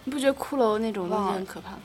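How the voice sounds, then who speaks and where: A woman's voice: medium pitch, racing. A young woman co-hosting a casual chat, telling a ghost story and acting out each character's lines. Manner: animated storyteller, acts out the lines. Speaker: co-host.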